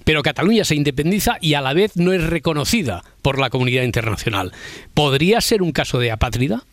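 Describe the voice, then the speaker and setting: A man's voice: on the high side, lively intonation, quick pace, dry recording. Chatty Spanish radio host man. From Spain. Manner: chatty, repeats words, eager. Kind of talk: late-night radio talk. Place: radio studio.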